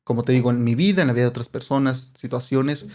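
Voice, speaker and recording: A man's voice: medium pitch, quick pace, a little mellow. A man hosting a Christian podcast, explaining prayer in an earnest, conversational way, often restarting his phrases. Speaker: podcast host.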